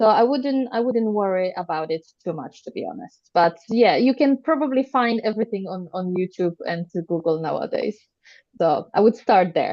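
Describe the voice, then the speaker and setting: A woman with a Polish accent, fairly high in pitch, at a moderate pace, with lively intonation and big swings in loudness. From Poland. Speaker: self-taught bag designer. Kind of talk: live Q&A panel.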